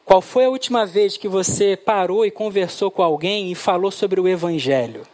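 High-voiced, animated Brazilian preacher. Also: male voice, moderate pace. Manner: animated, acts out dialogue with his son. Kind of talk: sermon with storytelling.

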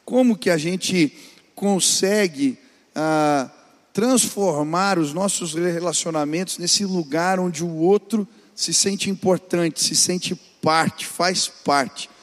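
A man's voice: high-pitched, slow pace, long reverb tail. A man, a pastor, preaching earnestly on family life and urging the listener directly.

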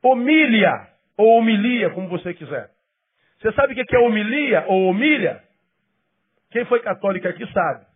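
A male pastor preaching a sermon, emphatic and then dropping to quiet asides. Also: high voice, big pitch swings, phone-quality sound. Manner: acts out quoted people in quick bursts.

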